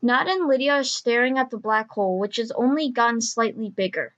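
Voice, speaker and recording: A woman narrates an audio drama from a script. Her voice is fairly high as she describes the scene. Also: a little fast, fairly bright tone, lo-fi sound.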